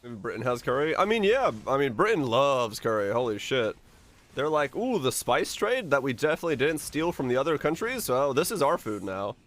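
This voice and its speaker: A man's voice: medium pitch, big pitch swings, a little fast, a bit bright. A man from Finland chatting casually and informally with viewers as a game livestreamer, musing aloud with some mild swearing. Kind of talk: casual chat with stream viewers.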